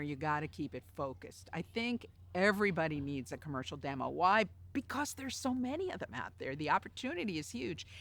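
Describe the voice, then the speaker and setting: A woman hosting a coaching video blog outdoors, chatty and addressing the viewer directly with questions. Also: on the low side. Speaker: host, voice-over coach. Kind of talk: video blog, talking to camera. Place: outdoors in a park.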